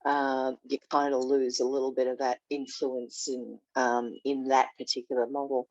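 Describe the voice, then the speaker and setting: A woman's voice: a bass voice, level tone, normal speed, a little mellow, dry recording, dull audio. A woman speaking at an online forum over a video call, losing her voice, offering rambling, hedged remarks with many fillers. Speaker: forum participant. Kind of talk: meeting remarks.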